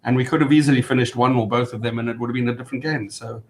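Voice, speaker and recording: A man giving casual post-match analysis as a fan, speaking in a hesitant, measured way. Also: steady tone, a little mellow. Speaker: football fan panellist. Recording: faint rumbling background noise.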